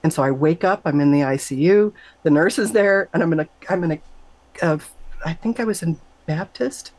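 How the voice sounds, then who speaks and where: A woman's voice: normal speed, a little mellow, low-quality recording. A middle-aged woman, a guest on an interview show, telling her personal story in an earnest, conversational way. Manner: earnest, acts out quoted voices with high pitch jumps. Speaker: guest sharing a near-death story.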